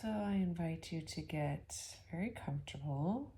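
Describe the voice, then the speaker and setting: Leading an ASMR guided meditation, a woman speaks low, softly and gently, unhurried and slipping toward a whisper. Long pauses fall between her words.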